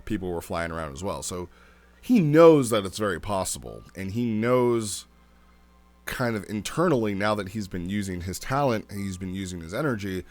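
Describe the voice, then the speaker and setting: Low-voiced man, rambling casual commentary. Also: animated, normal speed, no echo. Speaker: host reviewing a text role-play log.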